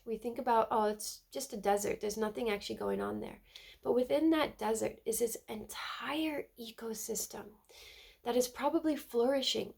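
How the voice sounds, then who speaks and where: A woman's voice: fairly high pitch, gravelly. A woman with a stuffy cold giving an earnest, casual spiritual card reading, often repeating words and adding "right?". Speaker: spiritual tarot reader.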